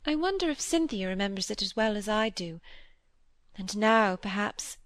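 A woman's voice: mid-range voice, animated, normal speed, fairly bright tone, no room sound, natural voice. A woman reading aloud and voicing a timid, earnest young woman who speaks hesitantly and anxiously. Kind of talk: audiobook character voice.

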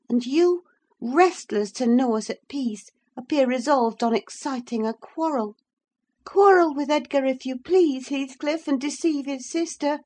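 A woman reading aloud, voicing a proud, fiery young lady of the house with a sharp, scolding manner. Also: sits high, voice pushed up.

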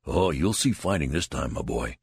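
A man's voice: low-pitched, expressive, moderate pace, creaky, breathy edge, no room sound, exaggerated voice. A man voicing a tall, boastful young soldier who talks in a folksy, lecturing way. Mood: confident. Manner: folksy rural talk, lecturing.

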